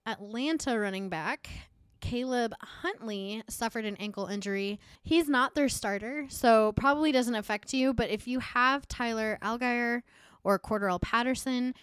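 Chatty woman on a sports podcast, smooth clear voice, super dry recording. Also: fairly high pitch, normal speed, fairly bright tone, no room sound. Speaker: podcast co-host. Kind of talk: casual fantasy football podcast chat.

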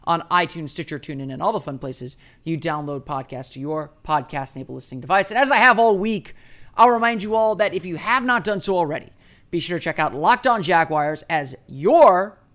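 A man hosting a daily sports podcast, talking in a chatty, rambling way with asides. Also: fairly bright tone. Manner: puts on a booming radio voice for the intro.

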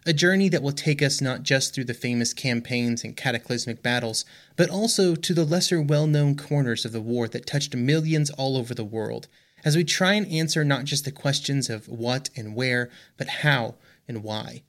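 A man's voice: mid-range voice, moderate pace. A man reading an earnest, scripted promo for his own podcast. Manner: earnest, sweeping promotional delivery.

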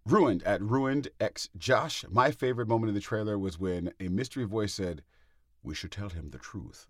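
A man on a podcast talking in casual chat, gushing and excitable, stumbling and repeating words on a studio mic. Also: fairly low pitch, normal speed, no room sound. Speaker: podcast guest.

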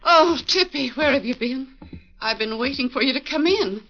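A woman playing a fluttery, scheming middle-aged mother in a 1940s radio drama, breathy and pleading. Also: high voice, expressive, moderate pace. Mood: flustered. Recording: dull lo-fi old radio broadcast.

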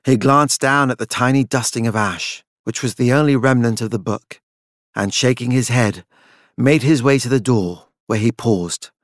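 A man narrates a literary tale with measured drama. His voice sits at an average male pitch, and the recording is dry and intimate, free of room sound. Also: no room sound. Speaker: audiobook narrator. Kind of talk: scripted literary story narration.

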